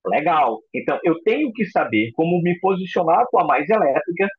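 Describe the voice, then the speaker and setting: High-voiced husky man teaching a class. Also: fairly quick, dry recording, narrow, tinny audio. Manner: expressive, acts out example voices. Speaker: psychoanalysis instructor. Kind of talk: recorded lecture.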